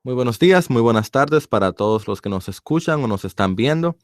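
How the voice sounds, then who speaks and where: A man's voice: medium pitch, animated, brisk, over music. A man hosting a Christian radio interview show from a studio, introducing his guest and joking easily.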